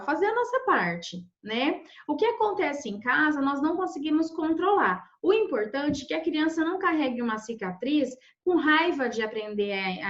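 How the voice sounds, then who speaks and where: A high-voiced woman hosts a casual live discussion for teachers, reading out viewer comments and answering in a reassuring way with lots of tag questions. Her audio sounds a little muffled and lo-fi. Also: fairly bright tone, echoey room. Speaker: live session moderator.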